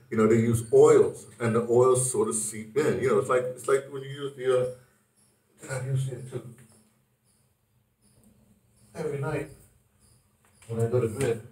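A man's voice: medium pitch, a little mellow, distant mic. Older man rambling in a roomy bedroom. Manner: rambling, with many restarts and fillers. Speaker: vlogger. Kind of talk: casual health update vlog. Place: small bedroom indoors. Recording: roomy echo, voice from off the mic.

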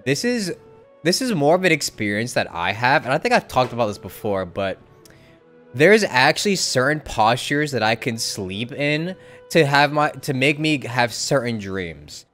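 A man doing casual live-stream commentary over a game, talking in a rambling, halting, conversational way. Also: medium pitch, sing-song, fairly bright tone, soft background music.

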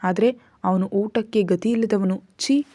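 A woman's voice: medium pitch, a little slow, warm tone, no echo, close to an everyday voice. A woman reading the part of a stern, wealthy father who scolds and threatens his daughter in a storybook narration. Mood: scolding. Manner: scolding, cold and commanding.

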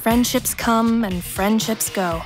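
A woman narrating a thriller audio drama in a measured, suspenseful, wry way. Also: fairly high pitch, loud music behind the voice. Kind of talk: scripted narration.

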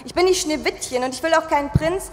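A woman's voice: sits high, quick pace, in a large hall. A woman in her twenties performing a poetry slam on a festival stage, with playful rhymes, wordplay and self-mocking asides. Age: 20s. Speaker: poetry slammer.

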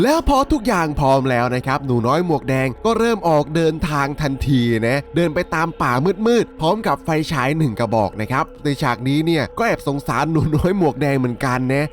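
High-pitched, animated male storyteller. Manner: conversational, addresses viewers. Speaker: story narrator. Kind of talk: casual animated horror story retelling.

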